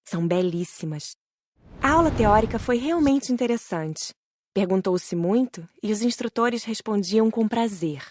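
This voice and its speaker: A woman calmly narrating an audiobook in the first person. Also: medium pitch, measured pace, a little hiss or hum. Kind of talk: scripted audiobook reading.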